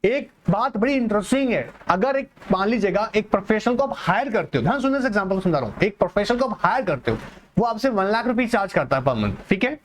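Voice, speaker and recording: A man teaching an online exam-prep class, reading English points slowly and explaining them in Hindi mixed with English, calling his students "beta". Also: high-pitched, sing-song, slight background noise.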